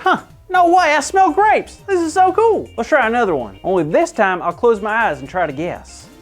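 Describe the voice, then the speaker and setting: A woman's voice: on the high side, expressive, normal speed, soft background music. Woman doing a squealy, hyper boy show host Carl. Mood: curious. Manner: bouncy, over-the-top, squealing outbursts. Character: excitable goofy young male kids' show host. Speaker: children's church show host. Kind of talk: kids' church comedy skit.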